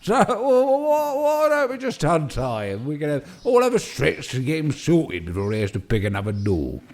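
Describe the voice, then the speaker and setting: Audio drama servant. High, extremely animated pitch, homespun and deferential, soft-hearted, stammering. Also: male voice, normal speed. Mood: coaxing. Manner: folksy, stammering, pleading, ungrammatical. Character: eager, kindly, deferential male servant. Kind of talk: audio drama character acting.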